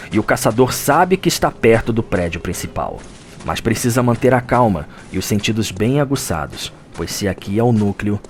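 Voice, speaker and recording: A man with a Brazilian accent voicing a lore scholar who narrates a dark gothic nightmare in a grave, theatrical audio drama style. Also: fairly low pitch, close to an everyday voice. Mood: grave, ominous. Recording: music under the voice. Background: music.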